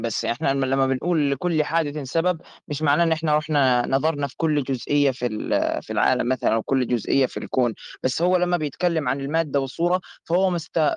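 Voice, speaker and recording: A man's voice: on the high side, no echo. A man in a casual online debate, emphatic and repeating himself to agree.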